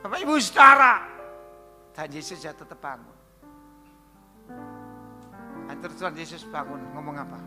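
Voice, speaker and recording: A man's voice: on the high side, very animated, normal speed, long pauses. A male pastor, preaching a sermon in a conversational way, asking the congregation questions and dropping in words. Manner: mixes in Javanese words. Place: church hall. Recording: reverberant church hall with music.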